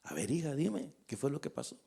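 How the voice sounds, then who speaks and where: A man preaching, acting out a stern old apostle who speaks softly and fatherly with quiet irony. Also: fairly high pitch, huge pitch swings, a little fast, vocal fry, husky, heavily acted.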